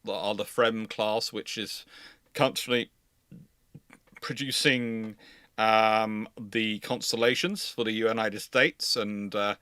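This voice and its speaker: Bright, forceful man hosting a chat. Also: on the low side, no echo. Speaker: live stream host. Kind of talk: casual live naval history discussion.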